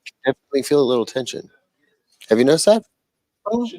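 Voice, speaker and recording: A man's voice: medium pitch, very animated, fast, dark tone, no echo. A man chatting casually on a livestream as a panelist, joking and self-deprecating in a wry way. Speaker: TV shootout panelist. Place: TV viewing room.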